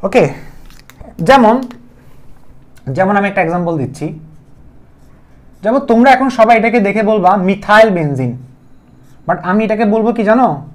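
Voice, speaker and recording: In an unhurried video lecture full of pauses, a chemistry teacher with a high voice and lively intonation speaks with a Bangladeshi Bengali accent. He repeats important terms and keeps asking the viewer questions.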